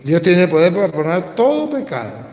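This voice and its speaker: A man's voice: sits high, wildly swooping pitch, brisk, a little mellow, slight background noise. A man with a Venezuelan accent, a Catholic priest teaching and answering questions in a didactic, emphatic way, repeating phrases for stress. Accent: Venezuelan Spanish. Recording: echoey hall with long reverb.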